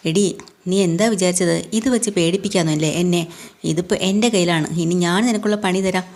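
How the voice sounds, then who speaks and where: A woman's voice: on the low side, fairly even intonation, fast talker, darkish tone, close to an everyday voice. A woman voicing a blustering young bully. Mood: threatening. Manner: blustering, threatening. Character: hot-headed young husband, blustering bully.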